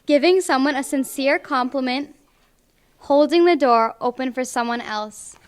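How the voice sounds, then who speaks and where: A young woman reading a picture book aloud to children in clear, deliberate phrases at a library. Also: high voice. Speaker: volunteer storybook reader. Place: public library, indoors.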